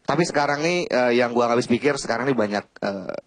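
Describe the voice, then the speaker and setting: A man's voice: mid-range voice, fast, dry recording. A man doing a stand-up comedy set, teasing the audience in slangy talk. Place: stage before a live studio audience.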